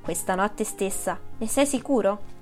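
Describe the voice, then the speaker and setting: A big black tomcat, read by a woman, earnest and polite, speaking plainly and steadily. Soft music plays faintly under the storybook reading. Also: mid-range voice, unhurried, lightly acted.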